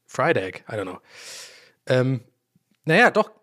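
A man's voice: mid-range voice, big pitch swings, slow pace, a bit bright. A man born in Ireland whose first language is English, hosting a casual solo podcast and rambling, losing his thread and laughing at himself. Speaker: podcast host.

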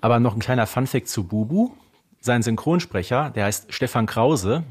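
A man's voice: mid-range voice, expressive, normal speed, slightly rough. A man chatting casually as co-host of a fan podcast.

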